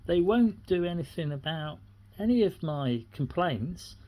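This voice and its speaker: Here an aggrieved middle-aged tenant with a British accent complains without a script, indignantly revisiting the same points. Delivery is a little slow with lively intonation, a medium pitch and a warm tone.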